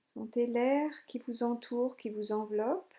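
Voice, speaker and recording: Female yoga nidra guide: soothing and gentle, very slow delivery, mellow timbre. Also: on the high side. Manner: soothing, gentle, unhurried instructions with pauses. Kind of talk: guided relaxation meditation.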